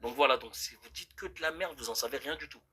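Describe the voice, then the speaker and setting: A man's voice: medium pitch, fast, breathy edge. A man live-streaming, arguing heatedly with his chat in a casual way, with many restarts. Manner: animated, argumentative, many restarts.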